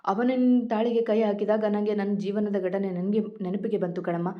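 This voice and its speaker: A tearful, remorseful mother pleads softly for forgiveness, as a woman storyteller puts her on. Her voice has a mid-range pitch and comes through a dull, lo-fi storybook recording. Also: little pitch movement, moderate pace, lightly acted. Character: grief-stricken older mother, tearful and remorseful.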